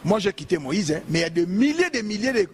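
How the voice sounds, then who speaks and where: A man's voice: high-pitched, big pitch swings, fast, darkish tone. A man with a Congolese accent, a bishop giving a heated, emphatic, repetitive political monologue.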